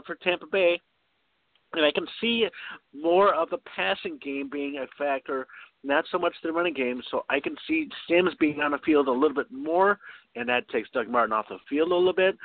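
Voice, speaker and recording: A man on a sports radio panel giving his analysis in a halting way, often restarting and repeating words. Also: fairly high pitch, lively intonation, no echo. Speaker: fantasy football panelist. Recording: dry, phone-like narrow band.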